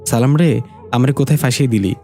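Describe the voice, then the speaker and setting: A man's voice: fairly low pitch, fast talker, dark tone, soft background music, lightly acted. A man voicing a bumbling, easily scared young male sidekick who talks in a flustered, pleading way.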